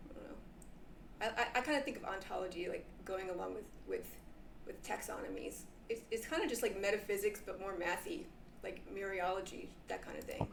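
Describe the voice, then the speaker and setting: A woman in her thirties chatting casually on a live stream, sounding stoned, spacey and halting as she rambles through her commentary. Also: mid-range voice, big pitch swings. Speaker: streamer reacting to a debate. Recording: roomy echo, noticeable background noise.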